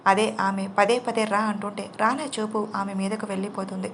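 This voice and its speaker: A woman narrating a romantic drama story in an even storytelling manner. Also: medium pitch, a little fast, slight background noise.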